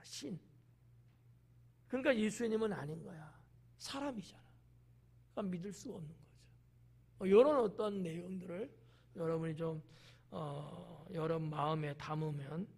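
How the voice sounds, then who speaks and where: A man's voice: fairly high pitch, moderate pace, gravelly, pauses often, darkish tone, husky. A male pastor giving a conversational sermon, explaining the passage and asking the congregation questions. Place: church.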